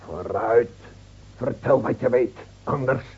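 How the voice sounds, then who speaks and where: An actor in a Dutch radio play playing a hot-tempered, threatening villager with a blunt manner. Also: male voice, mid-range voice, slow pace, darkish tone, breathy edge, full character voice. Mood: menacing. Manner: blunt, menacing. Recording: muffled, noisy old radio play recording.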